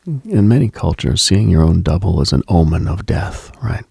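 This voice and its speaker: A late-night radio host, a man with a very low voice full of heavy vocal fry. He muses in a hushed, husky murmur, leaving long pauses, recorded close and dry. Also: lively intonation, no room sound. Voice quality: husky, gravelly, breathy. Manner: hushed, musing, pausing often. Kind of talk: slow late-night mystical radio monologue, ASMR-like.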